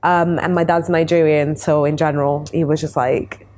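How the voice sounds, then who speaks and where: Low-voiced young woman, candid and chatty. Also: little pitch movement, moderate pace, darkish tone. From Italy. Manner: candid, chatty, laughs easily. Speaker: panel guest. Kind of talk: casual discussion. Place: bright studio room, city view.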